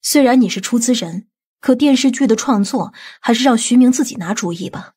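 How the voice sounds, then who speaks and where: A woman playing a stern, authoritative aunt in an audiobook, speaking in a firm, measured, commanding manner. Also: on the high side, expressive, darkish tone, husky. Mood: cool, reserved. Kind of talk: audiobook character acting.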